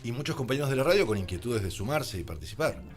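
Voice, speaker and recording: A man's voice: mid-range voice, very animated, fast. An Argentine man, a guest in a radio studio, telling stories conversationally and quoting dialogue as he goes. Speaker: radio drama producer and adapter, interview guest. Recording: music playing under the voice.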